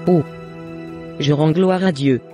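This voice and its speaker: A woman voicing a gentle, plaintive, devout shopkeeper mother in a Christian cartoon. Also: low voice, slow, music in the background. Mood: grateful. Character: long-suffering, devout, hard-working shopkeeper mother. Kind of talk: French Christian cartoon dialogue.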